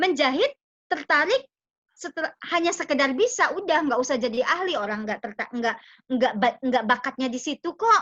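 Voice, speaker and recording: Her bright, sharp voice sits high for a woman, moving at a moderate pace with lively intonation in a dry, close sound with no echo. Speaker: community leader giving motivational talk. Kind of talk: motivational talk. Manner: casual, conversational with audience.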